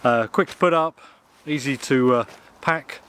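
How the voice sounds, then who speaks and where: Speaking a little slowly, an English man with a mid-range, slightly bright voice chats about outdoor gear in the woods, with frequent ums and uhs. A camera mic at close and mid distance records him in and beside a small tent, with a touch of hiss or hum.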